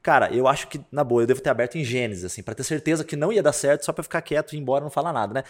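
A young podcast co-host tells a personal story in casual chat, speaking very fast at medium pitch. He's an animated storyteller, acting out the dialogue in shifting voices and peppering it with slang.

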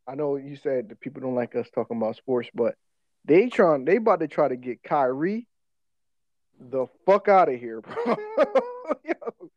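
This podcast co-host, a man with an African American English accent, trades casual talk and personal stories in slangy, profane language, quick to break into laughter. His mid-range voice is expressive, and the audio sounds muffled though without echo.

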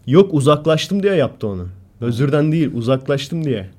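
Mellow-voiced man telling a lively story. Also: a little high, moderate pace. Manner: animated storyteller, acts out quoted shouting. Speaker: podcast co-host. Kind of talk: casual chat, storytelling.

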